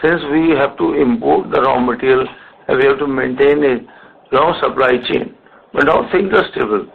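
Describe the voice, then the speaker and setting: A man with an Indian accent answering questions as a company executive on an earnings call, in a halting way with repeated words. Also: medium pitch, creaky, husky. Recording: muffled narrow phone conference line.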